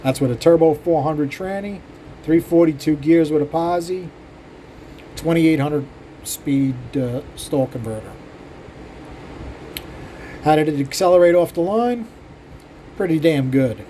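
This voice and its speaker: A man's voice: on the high side, unhurried, long pauses, warm tone, a little hiss or hum, poor audio. An older man, a cylinder head porter, casually talking shop to his viewers in a rambling, self-deprecating way with many fillers. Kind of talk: casual shop talk to camera.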